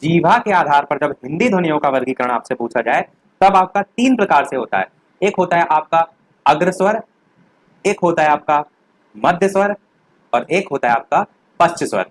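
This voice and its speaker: A man's voice: fairly high pitch, animated, normal speed, low-quality recording. A young man, giving an exam revision lecture and explaining step by step with rhetorical questions. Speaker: teacher.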